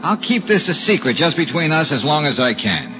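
An actor playing a wry, self-assured private detective with a dry, teasing manner, in 1940s radio drama style. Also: male voice, on the high side, very animated, brisk. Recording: dull lo-fi old radio recording with music.

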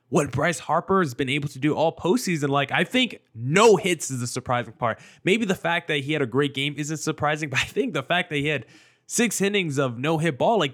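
Slightly hoarse young man hosting a podcast. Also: a little high. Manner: excitable, peppered with "like" and "I mean". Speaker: podcast host. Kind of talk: solo sports podcast commentary.

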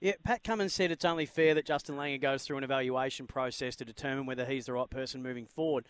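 A man's voice: mid-range voice, fairly even intonation, fast, smooth, dry recording. An Australian man hosting sports radio, talking in a wordy, opinionated, conversational way. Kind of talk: conversational sports commentary and interview.

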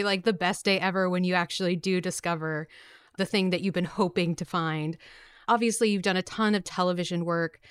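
A woman's voice: medium pitch, smooth, no echo, clean studio sound. A woman hosting an interview, asking upbeat, enthusiastic questions. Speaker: interviewer host.

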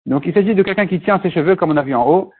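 A man's voice: high-pitched, very fast, husky. A man teaching a Talmud class, explaining step by step and mixing in Hebrew and Aramaic terms. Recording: tinny phone-like recording.

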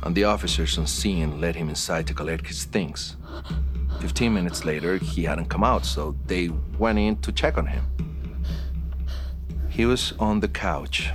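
An actor playing a stern police detective who questions firmly and measuredly, then turns accusing. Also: male voice, low voice, a little slow, over music. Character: stern hard-pressing male detective.

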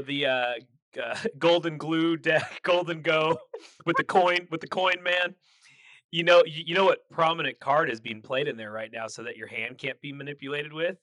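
A man's voice: fairly high pitch, sharp tone, no room sound. A man co-hosting a podcast in casual chat, joking and laughing often, with plenty of fillers and restarts. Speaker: podcast co-host.

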